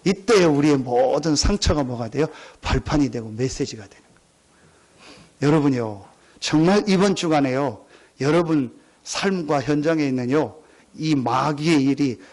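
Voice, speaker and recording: A man's voice: a little high, animated, normal speed, a little mellow. A middle-aged man preaching a sermon as pastor, emphatic and repetitive, often calling out to the congregation. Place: church sanctuary.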